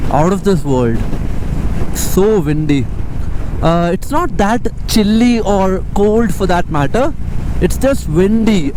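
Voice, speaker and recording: A man with an Indian accent giving casual, chatty commentary outdoors as he rides a motorcycle, recorded on an action camera. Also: sits high. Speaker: motorcycle travel vlogger. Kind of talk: casual spoken ride commentary. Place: outdoors on a motorcycle on a mountain road. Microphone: action camera microphone while riding. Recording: windy outdoor action-camera audio, engine noise.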